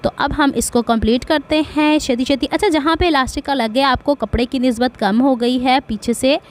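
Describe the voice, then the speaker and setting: A woman's voice: sits high, steady tone. A middle-aged woman from Pakistan with a Punjabi accent, giving a chatty sewing tutorial and wandering into asides and blessings. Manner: speaks slowly on purpose. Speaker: sewing vlogger.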